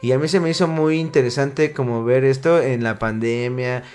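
A man's voice: medium pitch, fairly even intonation, normal speed, darkish tone, clean tone, faint music behind. A man with a Mexican accent hosting a casual chat, rambling in slang and interrupting himself. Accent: Mexican Spanish.

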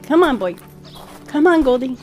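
A frightened blind woman, as an actress plays her, pleading in a very high, lively voice. She talks slowly, and music runs underneath. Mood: anxious. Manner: pleading, calls out anxiously. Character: frightened blind young woman with guide dog. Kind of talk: comedic cartoon voice acting.

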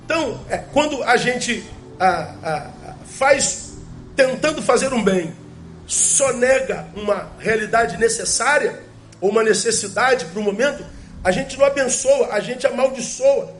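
A man delivers a sermon in a notably high voice. He presses his points with rhetorical questions and slows down to repeat key phrases. Faint music sits low behind him. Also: animated, a bit bright. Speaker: pastor.

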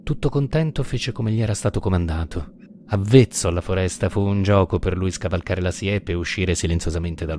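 A man reading a classic novel aloud in a measured, lyrical audiobook style. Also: deep voice, dark tone, slight background noise. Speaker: narrator and adapter. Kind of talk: audiobook literary narration. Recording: narration over music.

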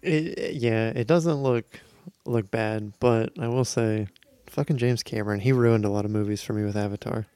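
A man co-hosting a podcast, commenting live on an awards show in an excitable, joking way with plenty of swearing. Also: lowish voice, moderate pace, clean tone, no room sound. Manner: excitable, swears often, jokey. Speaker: podcast co-host.

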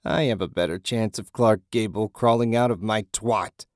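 A man voicing a filthy, blind old woman who croaks and cackles slowly and mockingly. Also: lowish voice, no echo, clean studio sound, natural voice.

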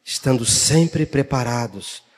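A man preaching a fervent sermon, swinging from shouts to hushed tones. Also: medium pitch, expressive, slow. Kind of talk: lively sermon. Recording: long reverb of a church hall.

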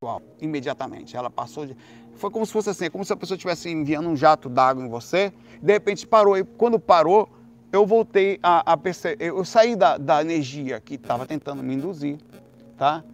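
Animated Brazilian man telling a story. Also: on the high side, fairly quick, a little hiss or hum. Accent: Brazilian Portuguese. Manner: swears freely, rambling with restarts; animated, swinging between hushed and loud. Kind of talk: casual storytelling monologue.

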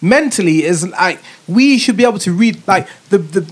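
A man's voice: high voice, animated, normal speed, slight background noise. A man with a London accent talking casually as a podcast host, in roadman street slang. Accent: London, urban street slang. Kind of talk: casual chat.

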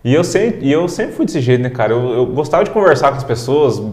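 A man's voice: medium pitch, lively intonation, fast talker, darkish tone. Guy telling an emotional story in a casual chat, echoey room. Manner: emotional, heartfelt, frequent "cara". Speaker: guest. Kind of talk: casual storytelling in a podcast interview.

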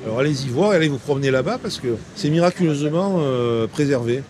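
Quick and lively, this older Marseille man's medium-pitched voice carries a light, lightly mixed local French accent. Stopped for an interview outdoors on a city terrace, he holds forth in a rambling, barroom-philosophy way, playfully grandiloquent and mock-learned, with street noise around him.

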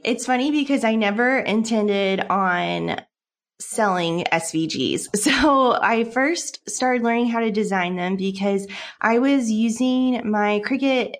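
A woman from Seattle, a podcast guest, talking about her craft business in a friendly, chatty way. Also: mid-range voice. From Seattle, United States. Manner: friendly, chatty, with small laughs and restarts. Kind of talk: casual interview answers.

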